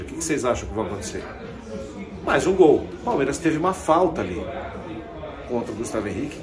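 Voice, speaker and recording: A man with a Brazilian accent giving a casual, conversational and emphatic post-match recap as a football commentator, recorded in a stadium. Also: medium pitch. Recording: echoey stadium with crowd behind.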